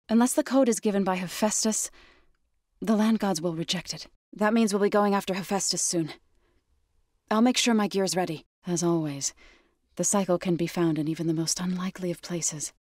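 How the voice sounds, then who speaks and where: A woman playing a gentle, resolute tribal warrior in a video game, speaking in a measured, solemn, softly sincere way. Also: fairly low pitch, no room sound, clean studio sound, close to an everyday voice. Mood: earnest, calm. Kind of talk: scripted game character dialogue. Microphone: close studio microphone.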